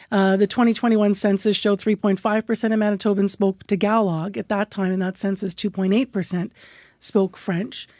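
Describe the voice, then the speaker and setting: A woman radio host interviewing a guest and reading out listener comments in a measured, conversational way with soft "um"s. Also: medium pitch, dry recording, studio quality.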